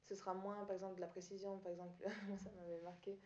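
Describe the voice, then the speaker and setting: A woman's voice: mid-range voice, level tone, fast, a little mellow. A young woman whose first language is Italian, answering interview questions with frequent hesitations and restarts. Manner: hesitant, many fillers and restarts. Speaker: student teacher. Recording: dull echoey room recording.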